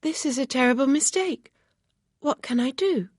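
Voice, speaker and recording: A woman's voice: high-pitched, moderate pace, darkish tone, no room sound, pitched above the performer's own voice, lightly acted. A proper young lady, as a female reader puts her on, earnest and precise in her formal phrasing, her voice raised a little above the reader's own. The storybook recording sounds dry and close. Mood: dismayed.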